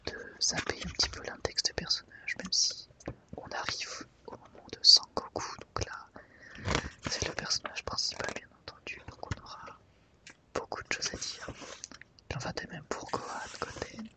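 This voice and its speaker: An ASMR host whispers softly and slowly, guiding listeners through a book.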